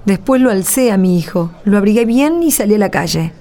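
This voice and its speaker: A woman's voice: medium pitch, animated, fairly quick, mellow, natural voice. A woman playing a worried, weary young mother in a radio drama, speaking hesitantly with an Argentine accent. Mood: troubled, weary. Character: Jimena, worried poor young mother, humble, weary, grateful.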